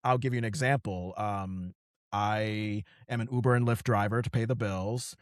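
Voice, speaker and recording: Animated male podcast host, dry sound. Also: on the low side, moderate pace, dry recording. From Connecticut. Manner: animated storytelling, frequent restarts. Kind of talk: casual conversation.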